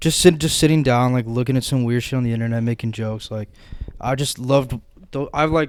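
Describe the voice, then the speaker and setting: With an unremarkable speaking voice, a man talks at a fairly quick pace in a medium pitch with fairly even intonation. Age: 20s. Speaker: podcast guest. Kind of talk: casual chat.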